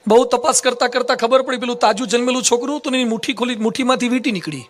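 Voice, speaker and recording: A monk giving a religious discourse to a live audience, playful and teasing, quizzing the children. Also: male voice, very high voice, rapid-fire, a little hiss or hum. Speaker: monk preacher. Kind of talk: humorous Gujarati religious discourse. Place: assembly hall with a live audience.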